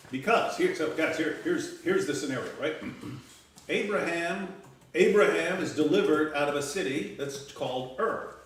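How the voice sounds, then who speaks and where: A man on a panel explaining a point step by step, repeating words as he builds it. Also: a little high. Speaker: panel guest. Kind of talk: explanatory talk. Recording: echoey room, distant mic, faint noise.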